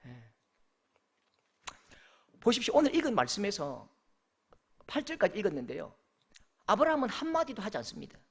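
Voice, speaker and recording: A man's voice: sits high, normal speed, vocal fry, pauses often, breathy edge. A middle-aged man, a pastor, preaching a sermon and telling stories, acting out the voices of the people in them. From Korea. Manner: animated storytelling, acts out voices of the people in his stories.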